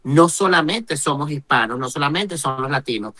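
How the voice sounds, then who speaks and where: A man's voice: a little high, lively intonation, normal speed, bright, forceful tone. A man from Venezuela, a journalist and activist answering in an interview, emphatic, with rhetorical questions and tag questions. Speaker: journalist and human rights activist, interview guest.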